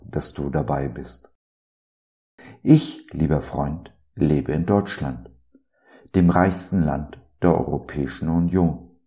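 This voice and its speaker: A man's voice: very deep voice, warm tone. A man hosting a devotional podcast, speaking in an earnest, preacherly way and asking many rhetorical questions. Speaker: podcast host.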